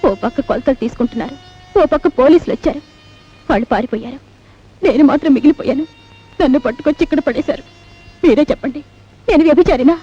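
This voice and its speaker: Actress playing a desperate young dancer, high mellow voice, rapid impassioned talk, old film sound with music. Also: female voice, highs cut off, natural voice. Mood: tearful. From Rajahmundry. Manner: impassioned, tearful pleading. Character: young woman dancer, wrongly jailed and desperate.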